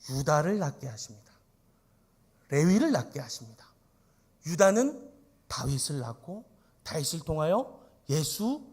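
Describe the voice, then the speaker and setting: A male pastor preaching an emphatic sermon in church, often turning to the congregation with rhetorical questions. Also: mid-range voice.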